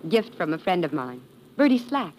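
An actress playing a breezy, self-possessed American farm woman in a 1950s radio drama, with brisk, wry delivery. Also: fairly low pitch, sing-song, a little mellow, slight background noise, low-quality recording.

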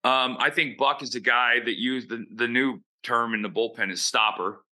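Bright-voiced blunt baseball analyst man. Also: medium pitch, fairly even intonation, normal speed. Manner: blunt and opinionated. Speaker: baseball analyst and show regular. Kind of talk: casual sports podcast chat.

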